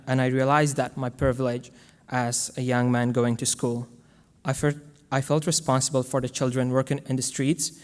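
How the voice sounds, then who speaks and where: A young man from Afghanistan, giving an earnest, measured prepared speech as guest speaker to a school audience. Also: medium pitch, a little mellow. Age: young adult. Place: large school hall. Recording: long hall reverb.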